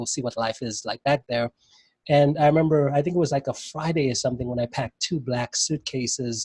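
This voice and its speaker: Very fast speech comes from a man with a medium pitch and a dark, mellow tone. His voice is somewhat breathy, with a dry, close sound and no echo. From Caribbean, Saint Lucia. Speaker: entrepreneur. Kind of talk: interview. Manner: hesitant, many fillers and repetitions.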